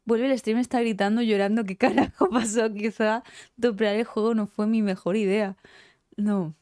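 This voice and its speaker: A woman's voice: a little high, steady tone, moderate pace, darkish tone, dry recording, clean studio sound. A woman with a Spain Spanish accent chatting casually on a live stream, teary after crying, emotional and rambling and swearing freely. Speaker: game streamer.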